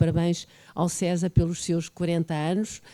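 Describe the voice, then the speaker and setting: The woman's voice is fairly low in pitch, with a dark, mellow tone. She speaks at a moderate pace in a dry, close sound with no echo. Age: 70s. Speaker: historian and professor. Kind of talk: round-table talk. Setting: university auditorium with audience. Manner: halting, many hesitations.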